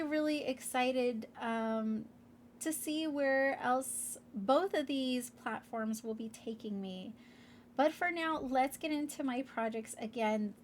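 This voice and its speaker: A woman with a fairly high-pitched voice hosts her crafting vlog, rambling casually with many fillers. She sounds congested and a bit nasal, and there is a little hiss or hum in the recording.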